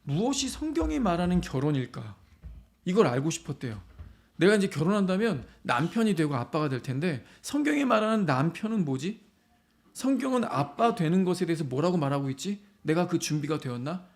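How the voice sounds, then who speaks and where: A middle-aged man preaching a sermon as pastor, animated and acting out the voices of the people he quotes. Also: on the high side, brisk.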